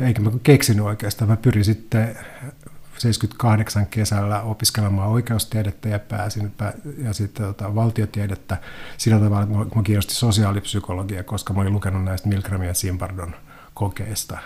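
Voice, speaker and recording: A man speaks in a fairly low pitch with a dark, mellow tone. His delivery is somewhat breathy and monotone, with flat intonation. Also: moderate pace. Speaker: writer and literary scholar. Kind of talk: interview conversation. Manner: halting, many repetitions.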